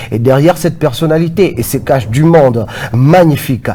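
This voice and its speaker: At a moderate pace, a man with a fairly high pitch talks with lively intonation over noticeable background noise. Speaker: talk show host. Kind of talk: talk show presenting.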